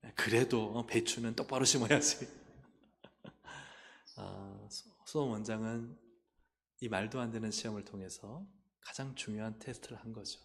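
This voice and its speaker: A man's voice: fairly low pitch, unhurried, gravelly, in a large hall. Preaching man with a Gyeongsang accent. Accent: Gyeongsang Korean. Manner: lively preaching, calls for amens, acts out dialogue. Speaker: pastor. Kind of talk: sermon. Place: church sanctuary.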